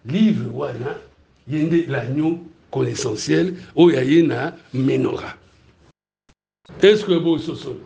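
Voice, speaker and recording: Congolese-accented male preacher, high voice, lively teaching sermon, keeps checking the room understands, roomy echoing hall. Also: takes it slowly, slight background noise. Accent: Congolese French. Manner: animated, asks the room if it is clear, laughs between points. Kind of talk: sermon mixing teaching and questions to the congregation.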